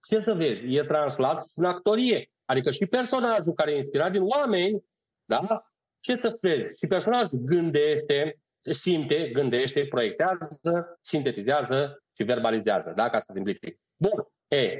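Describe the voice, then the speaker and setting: A man's voice: fairly high pitch, lively intonation, husky. A man, an acting teacher on a podcast, explaining in a didactic way, listing steps and checking in with his listener. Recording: dull lo-fi sound.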